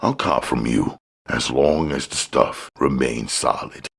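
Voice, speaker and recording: A man's voice: very deep voice, unhurried, gravelly, a bit bright, breathy edge, heavily acted. A man voicing a cool, guarded young street hustler with laid-back, slangy talk in a crime audiobook. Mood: cool, casual.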